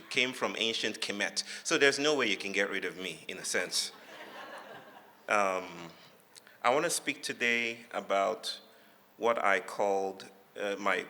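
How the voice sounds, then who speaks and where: Before an audience in a large hall, a Nigerian man from Lagos delivers a guest lecture, weaving humorous stories with reflection and playfulness, using measured phrasing and dramatic pauses. He speaks with a Nigerian accent in a voice on the low side, pushed and bright. Long reverb fills the echoey room.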